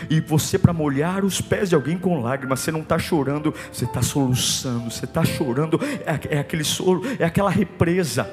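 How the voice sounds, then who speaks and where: A man preaching a sermon, emphatic and repetitive, dropping to a hush and then rising to force. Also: a little high, a little fast, hardly any pauses. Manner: emphatic and repetitive, swinging between hushed and forceful. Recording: long hall reverb with soft music behind.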